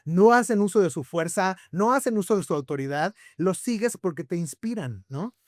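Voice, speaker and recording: Animated Mexican man telling stories. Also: high voice, normal speed, no room sound, studio quality. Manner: animated storyteller, rhetorical questions, frequent tag "¿no?". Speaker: podcast guest, therapist. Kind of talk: conversational podcast interview.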